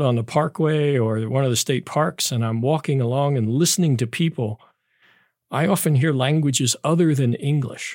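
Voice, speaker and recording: A man with an American accent talks in a normal speaking voice at medium pitch, with ordinary pitch variation. The recording is very clean, with a silent background. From Maryland. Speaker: biology professor. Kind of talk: radio interview.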